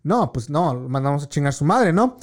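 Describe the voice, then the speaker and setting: A man talks in a high voice, in casual, profane chat. He tells a story and slips English words into his talk. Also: big pitch swings, normal speed.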